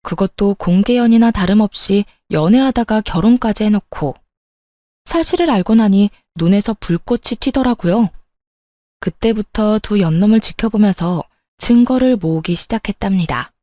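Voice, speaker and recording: A woman's voice: medium pitch, expressive, moderate pace, warm tone, dry recording, clean studio sound. A woman narrating a dramatic first-person story in a confessional storytelling manner.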